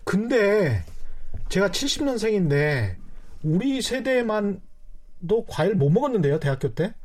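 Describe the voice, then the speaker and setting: A man's voice: high-pitched, very animated, a little slow. A man in his forties hosting a casual discussion, attentive and giving many short acknowledgments. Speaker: host.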